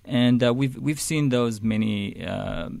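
A man from Palestine, a professor, speaking as a radio guest with a halting delivery full of fillers. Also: medium pitch, creaky, darkish tone, no room sound. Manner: halting, many fillers and restarts. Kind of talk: radio interview.

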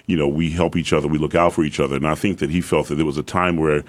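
A middle-aged man from the American South with a very deep voice, a guest opera singer talking thoughtfully in an interview. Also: little pitch movement, fast. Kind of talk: radio interview conversation.

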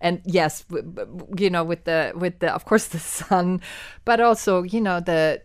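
A woman in her fifties with a German accent, a documentary filmmaker chatting as an interview guest, animated and laughing often. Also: fairly low pitch, measured pace, no room sound, clean studio sound. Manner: animated, laughs often, repeats words when searching. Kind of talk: casual interview conversation.

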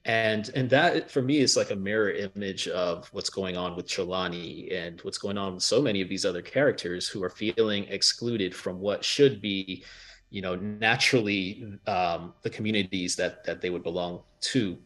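A Jamaican American man, an author, talking haltingly with many fillers and laughs, and reading from his book. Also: deep voice, fairly bright tone. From United States, of Jamaican family.

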